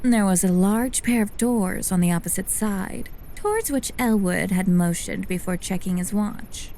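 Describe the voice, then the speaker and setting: A woman playing a dry, clinically amused senior scientist, narrating an audio drama in an articulate, deadpan way. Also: medium pitch, normal speed, slight background noise, close to an everyday voice. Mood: wry, measured. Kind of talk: scripted first-person audio drama narration.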